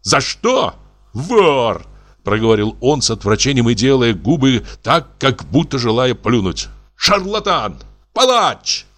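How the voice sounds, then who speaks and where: A man's voice: mid-range voice, normal speed, few pauses, pitched above the performer's own voice, close to an everyday voice. A male narrator voicing an enraged mental patient who shrieks and mocks in a raised, strained voice. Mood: furious. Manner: shrieking, accusing, mocking.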